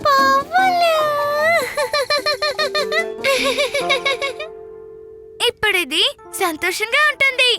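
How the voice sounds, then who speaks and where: A performer voicing an excitable, curious small child in a children's cartoon, with drawn-out exclamations. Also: very high voice, music in the background. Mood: eager. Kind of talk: animated children's cartoon dialogue.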